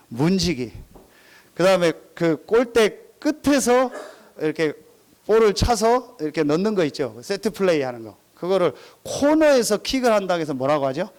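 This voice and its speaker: A man's voice: high-pitched, a little mellow. A male pastor preaching a sermon filled with humorous anecdotes. He talks straight to the congregation with rhetorical questions, mimics regional dialects and laughs at his own jokes.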